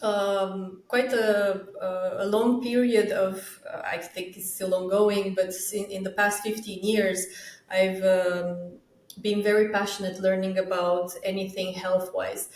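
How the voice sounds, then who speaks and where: A woman's voice: medium pitch, flat delivery, a little slow, a little mellow, roomy sound, rough recording. A woman from Romania, a summit co-founder, talks casually in an interview and often hesitates with fillers and restarts.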